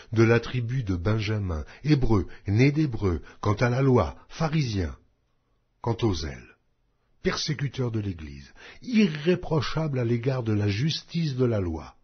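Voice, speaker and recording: A man reading scripture as a scripted audiobook narration, in a solemn, measured and declamatory way. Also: lowish voice, breathy edge. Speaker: Bible narrator. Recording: dull, lo-fi audio.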